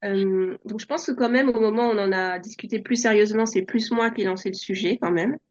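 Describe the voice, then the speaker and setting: A soft-spoken woman in her forties, born in France, telling her story as an interview guest with many hesitations. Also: medium pitch, a little fast, lo-fi sound. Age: 40s. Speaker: podcast guest. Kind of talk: relaxed personal interview.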